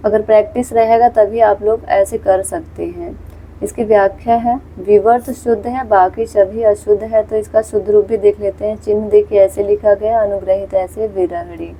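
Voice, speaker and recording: Patient Hindi tutor woman, soft husky tone. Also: mid-range voice, fairly even intonation, moderate pace, poor audio. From India. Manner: explains patiently, repeats words, points at screen. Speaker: Hindi teacher. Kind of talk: exam-prep lesson walking through questions.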